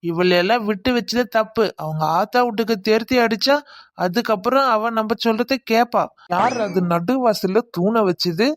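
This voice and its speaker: A woman voicing a loud drunk village husband who blusters and threatens with slurred swagger. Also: a little high, moderate pace, no room sound, lightly acted. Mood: drunk angry. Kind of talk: cartoon comedy voice acting.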